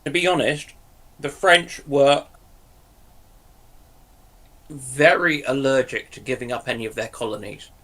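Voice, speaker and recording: A man on a history panel, talking off the cuff in a measured, hesitant way with pauses mid-sentence. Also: mid-range voice, fairly bright tone. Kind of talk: unscripted history discussion.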